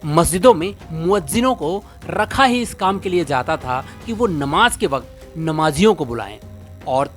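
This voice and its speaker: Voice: medium pitch, fairly bright tone. An Indian news presenter reading a scripted explainer narration. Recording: music bed under the voice. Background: background music.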